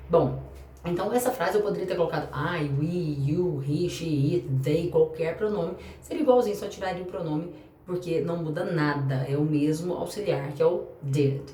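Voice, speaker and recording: A woman's voice: sits low, moderate pace, dark tone. A woman with a Brazilian Portuguese accent teaching English grammar in a chatty way, spelling out letters and asking rhetorical questions. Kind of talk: explaining grammar to an online class. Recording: echoey room, voice a bit far from the mic, faint background hum.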